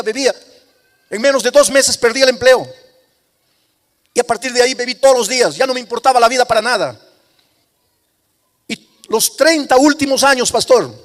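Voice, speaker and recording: A man's voice: medium pitch, voice pushed down, lightly acted. A man voicing a repentant middle-aged former drunk, earnestly pleading his confession to the pastor. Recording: long reverb of a large hall.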